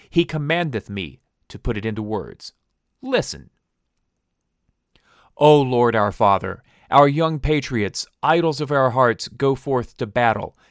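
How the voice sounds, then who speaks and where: A man's voice: mid-range voice, no room sound, clean studio sound. A man voicing an aged stranger who speaks as a solemn messenger from God, grave and declaiming. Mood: fervent. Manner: grave, declaiming, rising in force.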